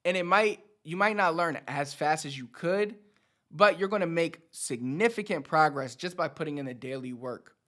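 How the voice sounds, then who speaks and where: A Spanish teacher who hosts a channel, this man in his thirties speaks to camera in a slightly high, fairly bright voice at a moderate pace. The talk is casual and motivational, with emphatic repetition.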